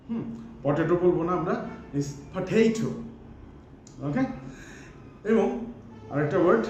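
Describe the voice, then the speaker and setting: A man's voice: a little high, darkish tone, dull audio. Bangladeshi man teaching pronunciation, echoey room. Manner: mixes English into talk, many fillers, stretches words to model sounds. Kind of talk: casual pronunciation lesson.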